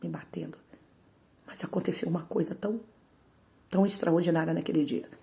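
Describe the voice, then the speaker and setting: A woman, a missionary singer, gives an emotional testimony to a church congregation. She moves between hushed, trembling storytelling and loud, pleading outbursts, repeating phrases and leaning on tag questions. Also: fairly low pitch, fairly even intonation, fairly quick, creaky.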